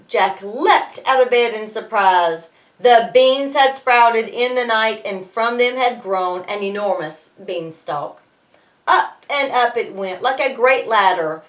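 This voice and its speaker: A woman teacher reading a storybook aloud to students in an expressive way, pausing to explain things. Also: on the high side, low-quality recording.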